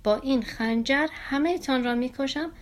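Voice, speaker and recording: Brave little black fish, firm and scolding, fairly high voice, read by a woman, storybook. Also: lightly acted. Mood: defiant.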